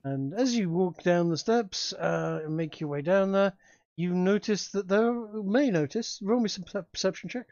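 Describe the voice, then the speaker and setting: A man's voice: sits high, darkish tone, dry recording, muffled recording. A man narrating a tabletop game as game master, describing scenes with frequent fillers and restarts. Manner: halting, many restarts and fillers.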